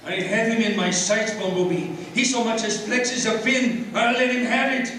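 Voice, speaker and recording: A man's voice: high voice, fairly even intonation, normal speed, a bit bright. A man playing a noble, formal, compassionate robot soldier with stiff, earnest phrasing in a live script reading. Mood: resolute. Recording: echoey hall, distant, crowd and noise.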